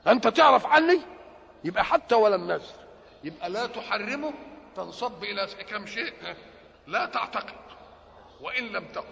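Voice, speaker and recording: A man's voice: sits high, expressive, a little fast, creaky, pauses often, fairly bright tone. A man with an Egyptian Arabic accent giving a sermon that explains scripture, often asking a question and then answering it himself. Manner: asks rhetorical questions and answers them himself. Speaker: religious lecturer. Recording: dull lo-fi recording with long hall reverb.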